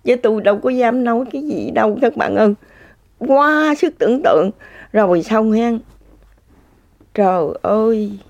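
A woman's voice: a little high, animated, normal speed, creaky, pauses often, a little mellow, dull audio. Woman, personal testimony, exclamatory, laughs often. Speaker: speaker sharing a personal story. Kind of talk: casual spoken testimony.

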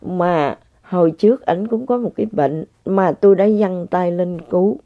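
An older woman giving an emotional, halting spiritual testimony to listeners, often repeating herself. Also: lowish voice, no echo. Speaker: religious practitioner sharing testimony. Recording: dull lo-fi sound.

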